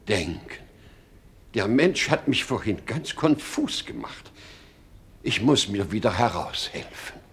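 An elderly, befuddled monarch in a classic radio play. He speaks at a slow, stately pace with wide, theatrical swings of intonation. His manner is pompous and sentimental. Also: mid-range voice. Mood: muddled, self-important. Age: older.

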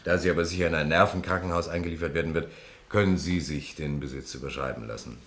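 An actor playing a shrewd, sardonic police detective in a German crime radio play, speaking in a deliberate, theatrical way. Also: male voice, extremely low pitch, a bit bright. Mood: triumphant, summing up.

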